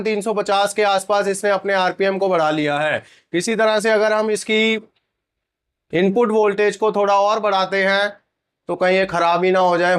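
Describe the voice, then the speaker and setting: A man's voice: high voice, clear, resonant tone. A man hosting a casual product review vlog with a sore throat, chatting viewers through a live test. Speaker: product reviewer, channel host.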